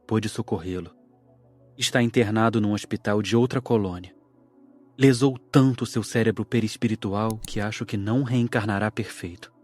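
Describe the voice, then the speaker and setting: Earnest, sober male student, played by a man, lowish voice, sorrowful audiobook dialogue over faint music. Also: lightly acted.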